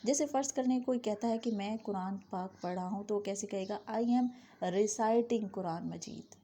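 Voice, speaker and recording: A woman teaching English vocabulary, saying each word pair twice and the English words slowly. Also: mid-range voice, dark tone. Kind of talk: vocabulary lesson.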